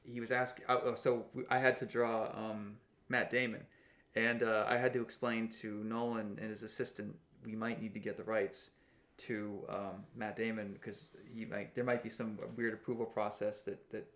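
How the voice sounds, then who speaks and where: A man's voice: lowish voice, flat delivery, normal speed, fairly bright tone, roomy sound. A man co-hosting a podcast, telling rambling anecdotes in casual chat and laughing at his own jokes. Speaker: co-host, comic book artist.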